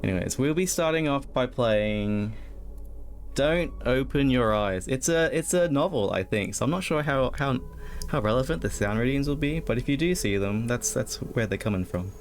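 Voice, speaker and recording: A man livestreaming a horror game, moving between casual chat with viewers and reading story text aloud, often halting and repeating words when he chats. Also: mid-range voice, expressive. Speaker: livestreamer, host of a spooky game stream.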